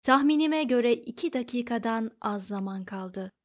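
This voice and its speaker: A woman voicing a cool, offhand alien man who stays calm and unbothered, read in an audiobook. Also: fairly high pitch, normal speed. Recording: dull lo-fi recording.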